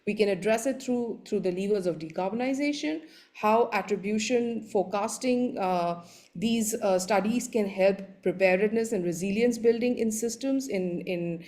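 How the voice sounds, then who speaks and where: A woman with an Indian accent, a native Hindi speaker, giving an explanatory conference presentation in a halting way, often repeating words. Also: mid-range voice, mellow. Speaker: panelist giving a slide presentation.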